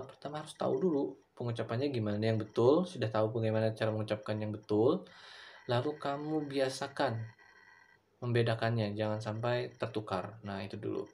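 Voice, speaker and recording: A man's voice: medium pitch, darkish tone. A young adult man with an Indonesian accent giving a casual recorded lesson, answering students' questions and moving between English and Indonesian with plenty of fillers. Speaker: teacher.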